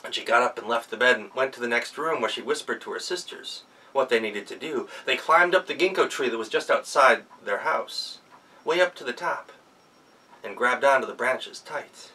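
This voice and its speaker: A man telling a folktale as an animated storyteller, recorded at some distance from the microphone. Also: medium pitch, normal speed.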